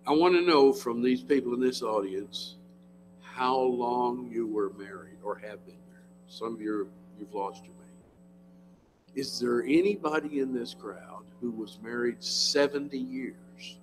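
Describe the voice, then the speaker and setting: Over a noisy background, a medium-pitched American man in his seventies preaches to a church congregation. His style is folksy, plain-spoken and emphatic, and he often puts questions to his listeners.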